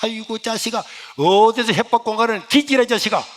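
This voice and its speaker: A man's voice: extremely high pitch, unhurried, fairly bright tone, clean tone, pitched above the performer's own voice. A man voicing his mocking, hostile older brother in a Gyeongsang accent, in an echoey church hall. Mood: angry. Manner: sneering, mocking.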